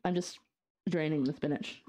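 A young woman from northeast Scotland, her light Scottish accent partly English-sounding, chats jokily to her live stream while cooking in her home kitchen. Her voice is deep, warm and steady at a moderate pace, with a slight lisp from a brace and sarcastic asides to chat.

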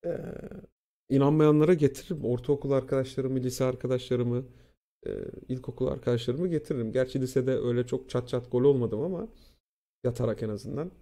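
A young man spins a school anecdote in casual, profane chat, acting out the lines of the people in it. His voice is very dark and gravelly, with plenty of fry. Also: medium pitch, a little fast. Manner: animated, profane, acts out quotes. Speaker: streamer. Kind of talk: casual storytelling.

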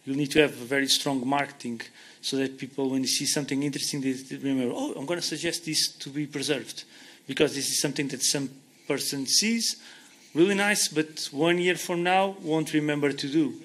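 A man's voice: a little high, sharp tone. Brief: thirties Portuguese-accented man, conference Q&A, handheld mic, earnest, gestures while explaining. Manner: earnest, explains with hand gestures, frequent restarts. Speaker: invited speaker answering audience questions. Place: conference hall stage, seated in armchair.

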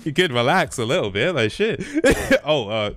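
A man reacting excitedly on a live stream, laughing often and swearing. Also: medium pitch, normal speed.

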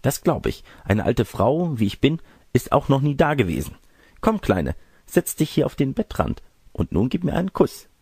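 Man voicing a lecherous gravelly wolf in granny disguise. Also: mid-range voice, sing-song, moderate pace, a little mellow, no room sound, clean studio sound, pitched above the performer's own voice. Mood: greedy, leering. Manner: wheedling, boastful, crude. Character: lecherous wolf-sorcerer disguised as a grandmother, smug and testy. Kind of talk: storybook character reading.

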